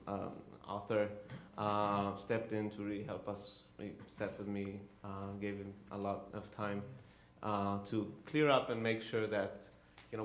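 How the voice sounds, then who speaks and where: A man who grew up in Israel talks in an easy, rambling way, filling gaps with "um" and "you know". His lowish voice rings out in a roomy theater hall through a handheld mic. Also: slight background noise. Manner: conversational, lots of "you know" and "um". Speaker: director and co-translator. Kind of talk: post-show talkback answers. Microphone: handheld microphone.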